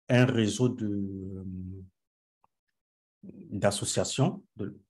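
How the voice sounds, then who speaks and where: A young man from Cameroon, a peace researcher, speaking as a guest on an online live interview, slowly and with many hesitant pauses. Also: fairly low pitch, gravelly, darkish tone. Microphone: video call.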